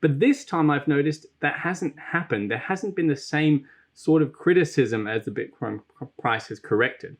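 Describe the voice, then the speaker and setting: Measured male interview host. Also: a little high, expressive. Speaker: show host.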